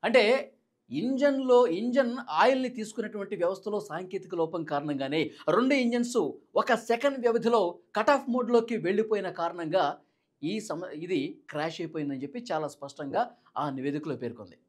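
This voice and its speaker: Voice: medium pitch, animated, a little fast, a little mellow. A Telugu news presenter giving explanatory commentary in a dramatic, emphatic manner, repeating key points.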